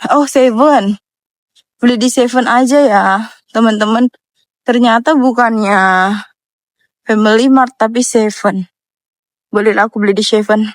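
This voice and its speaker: A woman's voice: fairly high pitch, fairly even intonation, measured pace, long pauses, no room sound, rough recording. A woman talks casually to her viewers. She sounds like a vlogger narrating an outing as she goes, in an informal, chatty style. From Indonesia. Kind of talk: casual vlog chat to viewers. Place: walking around a busy outdoor amusement area and nearby shop.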